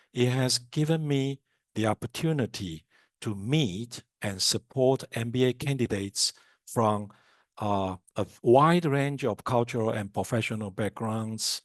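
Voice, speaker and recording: A man's voice: mid-range voice, no room sound, clean studio sound. A middle-aged man giving a formal, polite, scripted introduction as a presenter at a webinar. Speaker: student recruitment specialist, guest presenter.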